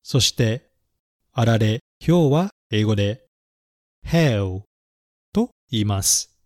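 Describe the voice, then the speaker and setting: Male English teacher, bilingual children's lesson, very slow and careful, dry close voice, soft music behind. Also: lowish voice, animated, no echo. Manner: clear, careful, spells words out letter by letter. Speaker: English teacher and story reader.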